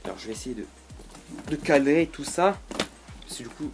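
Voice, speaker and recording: A man's voice: mid-range voice, lively intonation, normal speed, vocal fry, noisy background. Rambling young man giving a room tour. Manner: rambling with many fillers and restarts, jokey. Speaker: YouTuber. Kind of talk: casual room tour vlog. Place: bedroom. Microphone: camera on tripod.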